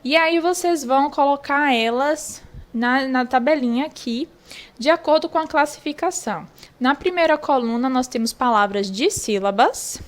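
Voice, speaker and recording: High-voiced woman teacher explaining slowly. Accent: Brazilian Portuguese. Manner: patient, explains slowly and repeats key points to children. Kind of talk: online lesson walking through a worksheet.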